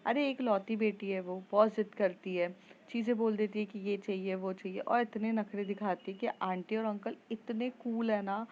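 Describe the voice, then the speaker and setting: A woman's voice: mid-range voice, fairly even intonation, moderate pace, darkish tone, highs cut off, close to an everyday voice. A woman voicing a chatty teenage schoolgirl who hesitates with fillers and mixes in English phrases.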